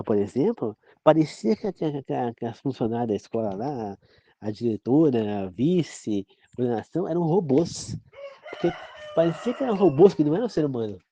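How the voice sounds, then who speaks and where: Man, from Brazil, preacher, rambling informal sermon, fairly high voice, dull lo-fi dry recording. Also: warm tone, no room sound. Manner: rambling, often asks "entendeu?". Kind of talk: informal sermon-style talk.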